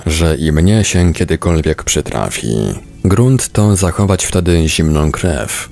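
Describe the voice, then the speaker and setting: A man reading book excerpts as scripted narration, in a gravelly voice with a measured storytelling delivery. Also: deep voice, dark tone.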